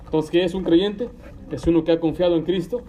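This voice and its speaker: High-voiced preacher in an echoey church. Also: male voice, fairly even intonation, a little fast, dark tone, slight background noise. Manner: conversational preaching with anecdotes and acted quotes. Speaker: pastor. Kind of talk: sermon. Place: church sanctuary. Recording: echoey church room with faint ambience.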